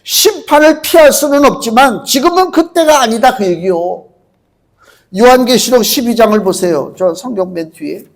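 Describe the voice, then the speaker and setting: A man delivers a Sunday sermon in a strikingly high voice. He preaches with strong emphasis and often slips into quoted voices to make his point. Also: animated, normal speed, creaky. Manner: emphatic preaching, acts out quotes of demons and Jesus. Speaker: pastor.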